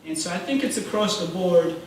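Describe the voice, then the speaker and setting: A man from Jamaica speaking on a panel, talking in an energetic, conversational way with rhetorical questions. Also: sits high, brisk. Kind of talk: panel discussion. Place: event hall. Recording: echoey hall from far off.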